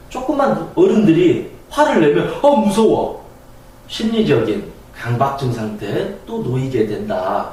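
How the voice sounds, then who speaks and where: A man giving a spoken lecture as a channel host, talking in an animated way and acting out examples. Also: medium pitch, a little hiss or hum. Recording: echoey room, distant mic.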